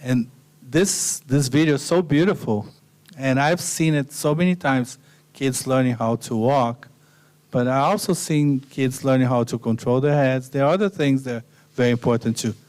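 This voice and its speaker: Man giving a smooth, relaxed slide lecture. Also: mid-range voice, normal speed. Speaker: guest lecturer.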